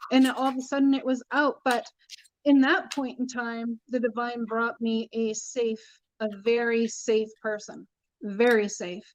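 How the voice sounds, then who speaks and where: A woman's voice: a little high, a little hiss or hum. A middle-aged woman teaching tarot, talking earnestly in a casual spiritual chat, repeating her points for emphasis. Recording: dull lo-fi sound.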